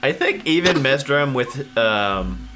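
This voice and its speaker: A man running a tabletop game as game master, narrating casually and haltingly as he thinks aloud. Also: medium pitch, lively intonation, a crowd in the background.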